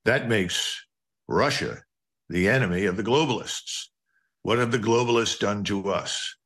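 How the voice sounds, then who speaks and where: A man's voice: lowish voice, a little slow, a bit bright. A man giving political commentary, emphatically stacking his points in repeated lists.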